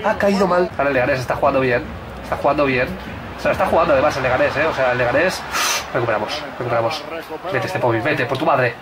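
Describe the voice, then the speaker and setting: A young man giving excitable commentary on his football video game career, shouting at chances and goals. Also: medium pitch, fast, a loud crowd. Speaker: gaming youtuber.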